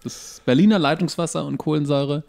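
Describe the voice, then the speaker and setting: A man's voice: fairly high pitch, brisk, gravelly, darkish tone. Rambling man chatting. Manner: rambling, fact-sharing, hesitant with many fillers. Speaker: podcast co-host. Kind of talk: casual chat.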